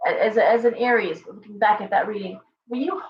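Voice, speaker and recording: Brief: hoarse woman, chatty tarot livestream host, off-mic in an echoey room, dull sound. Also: medium pitch, fast, distant mic, slight background noise. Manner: chatty, thanks viewers by name, restarts often. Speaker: tarot reader hosting a livestream. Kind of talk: casual livestream tarot reading.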